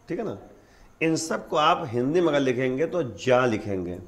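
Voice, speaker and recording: A man's voice: mid-range voice, sing-song. Patient man explaining religious teaching. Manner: patient, explains step by step with repeated examples. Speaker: Islamic scholar.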